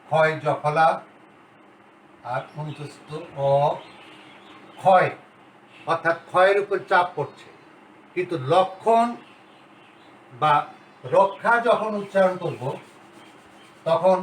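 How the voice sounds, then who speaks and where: A male grammar lecturer teaching a class at the board, talking slowly and deliberately and repeating the key sounds. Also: a little high, recorded from a distance. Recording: roomy, off-mic, faint hiss.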